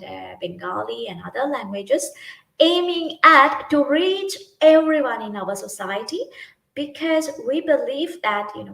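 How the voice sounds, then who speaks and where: Young woman from Sri Lanka, Sinhala native, gravelly voice, echoey room, halting with fillers. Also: medium pitch, a bit bright. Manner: hesitant, many fillers and restarts. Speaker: youth team leader. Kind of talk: livestream talk.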